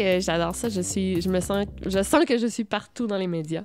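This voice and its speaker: Fairly slow speech with ordinary pitch variation in a Quebec accent. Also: woman. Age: 20s. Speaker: true crime YouTuber and author. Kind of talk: interview. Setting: hotel room.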